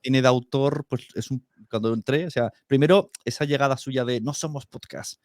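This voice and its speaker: Spanish guy from spain hosting a podcast, casual chat, mid pitch, very dry sound. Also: moderate pace, dry recording. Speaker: podcast host.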